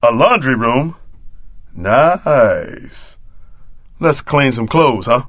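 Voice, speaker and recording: Careful young video game hero, animated pitch, crisp forward tone, earnest, dry recording. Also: male voice, very slow, no echo. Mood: wry.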